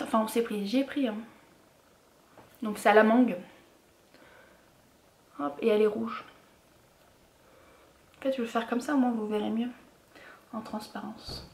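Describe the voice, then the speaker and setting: A woman's voice: on the high side, roomy sound, slight background noise. A woman from France, chatting casually through a shopping haul video, full of fillers and restarts. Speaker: vlogger.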